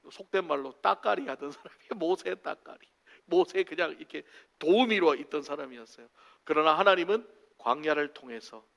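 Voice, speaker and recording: Male pastor, lively sermon, fairly high-pitched, echoing sanctuary. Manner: animated, acts out voices of complaining people. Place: church sanctuary. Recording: church sanctuary with long reverb.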